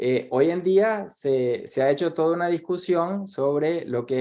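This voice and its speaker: Dark and mellow in tone, the voice moves at a fairly slow pace. Its pitch varies in an ordinary way. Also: man. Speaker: theologian. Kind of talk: webinar discussion.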